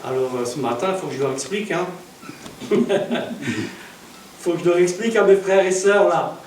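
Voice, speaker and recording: A man preaching as an evangelist, telling stories in a lively way, with loud bursts and acted-out dialogue. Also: high voice, normal speed. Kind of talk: storytelling sermon. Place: church. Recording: echoey church hall from far off, faint hiss.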